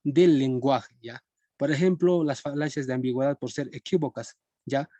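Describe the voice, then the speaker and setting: A young man teaches a philosophy class over a live stream, and he keeps checking in with his students as he goes. His voice is mellow and relaxed, at a middle pitch. The sound is dry and close, with almost no room echo. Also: a little fast. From Peru. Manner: conversational, checks in with students often.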